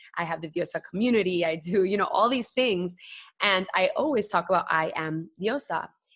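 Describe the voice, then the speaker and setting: An ordinary speaking voice belongs to this woman, who speaks with an American accent at medium pitch and a moderate pace. Her intonation is lively, in a very clean recording with a silent background. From New York, Brooklyn. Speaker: author and wellness coach. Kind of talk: interview.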